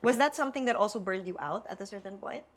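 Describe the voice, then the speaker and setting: A woman's voice: mid-range voice, fast talker. A Filipino woman co-hosting a podcast, asking the guest curious questions in a casual way. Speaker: podcast co-host. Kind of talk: casual chat.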